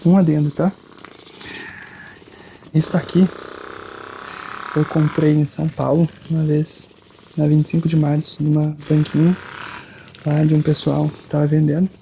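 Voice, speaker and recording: Mellow, chatty Brazilian ASMR chiropractor roleplayer. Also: medium pitch, flat delivery, a little slow, gravelly, pauses often, slight background noise. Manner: chatty, joking, informal. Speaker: ASMR creator playing a chiropractor. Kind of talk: ASMR roleplay of a chiropractic session, soft casual chat.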